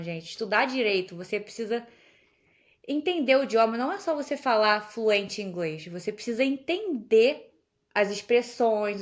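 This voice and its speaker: A young woman from Brazil chatting casually as a podcast guest, telling stories and laughing often. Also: medium pitch. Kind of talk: casual conversation.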